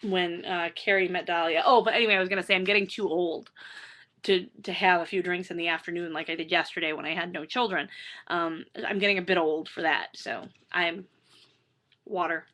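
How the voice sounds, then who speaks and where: Chatty hoarse woman in her thirties, bright tone, casual rambling asides. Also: lowish voice, fairly even intonation, fairly quick. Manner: self-deprecating, chatty, lots of fillers and restarts. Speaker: author reading her book.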